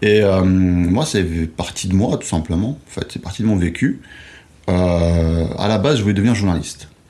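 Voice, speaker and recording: A man talks at a fairly slow pace in a very deep, low pitch. There is noticeable background noise. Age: 30s. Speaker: documentary filmmaker. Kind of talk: interview. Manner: casual slangy.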